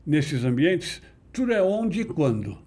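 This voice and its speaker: Husky, mellow-voiced man explaining patiently. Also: a little high, very animated. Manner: didactic, emphatic, measured. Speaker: interview guest, NLP teacher. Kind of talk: conversational explanation.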